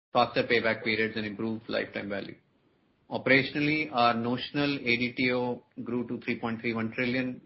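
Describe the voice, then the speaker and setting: A man, a company executive, formally reading a scripted earnings presentation on a conference call. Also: lowish voice. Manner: formal, reading prepared remarks. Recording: muffled conference line, background noise.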